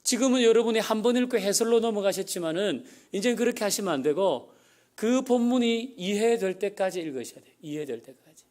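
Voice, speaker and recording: A man's voice: high voice, expressive, a little fast, darkish tone. A middle-aged male pastor giving a folksy sermon, asking the congregation questions as he teaches. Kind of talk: sermon teaching on Bible reading.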